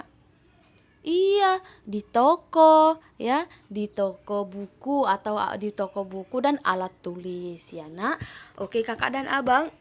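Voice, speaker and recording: A woman teacher giving a recorded online Arabic lesson to primary pupils, talking to them in an animated, coaxing way. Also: on the high side. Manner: animated, coaxing, calls the children "Nak".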